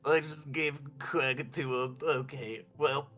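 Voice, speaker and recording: A man playing a tabletop game, calmly explaining rules in a matter-of-fact way. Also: mid-range voice, slow, soft background music. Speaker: player.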